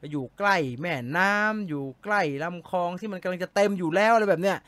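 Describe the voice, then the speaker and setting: A man with a high, bright voice chats casually with his live-stream viewers, reading their comments aloud and answering with jokes. His voice sits close to the mic in a dry, deadened space. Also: fast, no room sound. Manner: chatty, joking, reads comments aloud and answers them.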